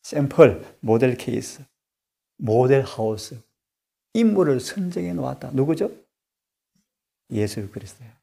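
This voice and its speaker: Gravelly-voiced male preacher. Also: medium pitch, animated, measured pace, long pauses. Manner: emphatic, peppered with rhetorical questions to the congregation; swings between loud stressed lines and hushed asides. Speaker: pastor and Bible study director. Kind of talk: sermon.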